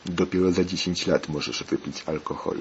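A stern father lectures insistently, read by a man in his own deep voice. The tone is low and scolding. The recording is dull and lo-fi, with a faint hiss behind it. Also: steady tone, moderate pace, natural voice.

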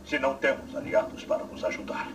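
A man's voice: noisy background, close to an everyday voice. A man playing a pompous, short-tempered mad scientist villain in a dubbed video game cutscene. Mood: angry, scheming. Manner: pompous, drawn-out, scheming. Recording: distant, with loud music behind.

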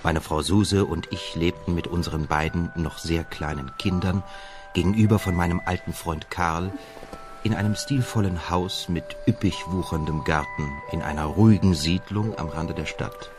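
A male actor playing a wry, weary family man who narrates his memories in a radio drama, measured and reflective. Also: deep voice, over music, close to an everyday voice. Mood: wry reminiscence.

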